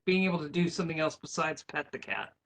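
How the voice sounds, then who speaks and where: A woman's voice: low voice, fast talker. A woman playing a tabletop game, teasing the others and laughing often. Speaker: player. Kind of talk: casual game table chat.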